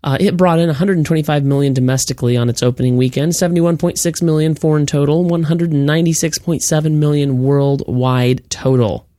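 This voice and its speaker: A man's voice: fairly high pitch, brisk, few pauses, no room sound, studio quality. Froggy-throated man hosting a podcast. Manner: blunt, opinionated reviewer; reads figures in a steady list-like delivery. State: recovering from a cold, slightly froggy throat. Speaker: podcast host. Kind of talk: solo movie news podcast.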